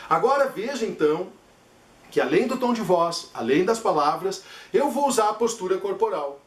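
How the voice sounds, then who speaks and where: Male speaking coach, emphatic, demonstrative, a bit high-pitched, roomy recording. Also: very animated, normal speed. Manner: emphatic, demonstrative, shifts tone freely. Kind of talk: teaching lesson. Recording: echoey room.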